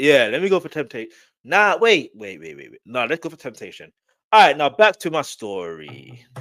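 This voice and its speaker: A man with a London accent, fairly high in pitch, bright and sharp in tone, with vocal fry, very wide pitch swings, big swings in loudness and a moderate pace, on a very clean recording with a silent background. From South London. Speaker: podcast host. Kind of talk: casual monologue.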